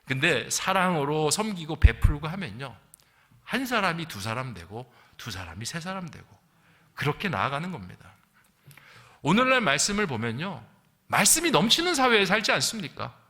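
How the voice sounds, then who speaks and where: A man's voice: a little high, big pitch swings, normal speed, pushed and bright. A middle-aged man from the Gyeongsang region of South Korea preaching a sermon as a pastor, in a conversational storytelling way with rhetorical questions. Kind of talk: sermon with anecdotes and acted-out quotes. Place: large reverberant church hall. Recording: long hall reverb.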